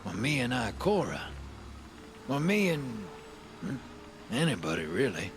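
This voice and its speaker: A man's voice: medium pitch, sing-song, unhurried, background noise. A man playing a roguish, folksy drifter in a video game, wisecracking and teasing in a laid-back drawl. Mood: wry, easygoing. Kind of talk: video game dialogue acting. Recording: music behind the voice.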